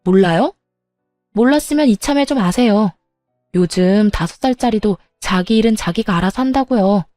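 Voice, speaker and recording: A woman narrating a dramatized first-person story as a daughter-in-law, with sharp, defiant retorts. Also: medium pitch, lively intonation, normal speed, dry recording, clean studio sound, soft background music.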